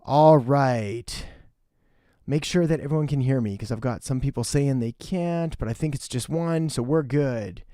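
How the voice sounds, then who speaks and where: Speaking a little slowly in a mellow, mid-range voice, a young marketing host holds a casual live-stream Q&A from home in western Canada. He's chatty and straightforward, welcoming viewers by name and giving them blunt advice. Studio quality, no echo.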